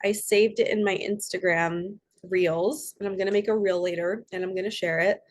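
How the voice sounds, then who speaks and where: A woman's voice: mid-range voice, fairly even intonation, moderate pace. A woman giving a casual spiritual reading to her viewers in a chatty, earnest and rambling way, her voice a little froggy and nasal. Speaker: spiritual coach and tarot reader.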